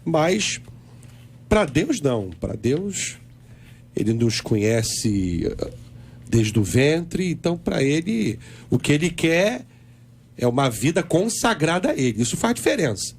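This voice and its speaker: Man, panel guest, reflective, very lively intonation. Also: on the high side, takes it slowly, breathy edge. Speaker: debate panelist. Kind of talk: radio panel discussion.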